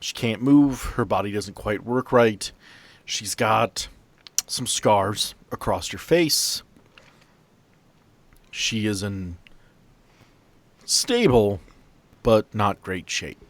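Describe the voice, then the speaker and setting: A man's voice: fairly low pitch, lively intonation, extremely slow, pauses often, dry recording. A man narrating an improvised tabletop roleplaying game as game master, with a casual, joking way of talking.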